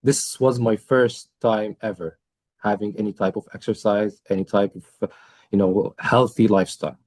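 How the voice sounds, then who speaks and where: A young man from Egypt, a coaching client telling his story in an interview, earnest and measured, with many pauses and fillers. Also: lowish voice, fairly even intonation, a little mellow, no room sound. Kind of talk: testimonial interview.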